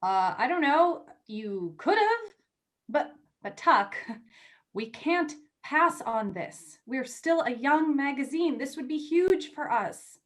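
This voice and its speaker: A woman playing an eager, teasing young magazine editor in a staged play reading, talking in animated, halting bursts as she persuades. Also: high voice, full character voice. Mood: coaxing. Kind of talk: virtual staged play reading, naturalistic dialogue.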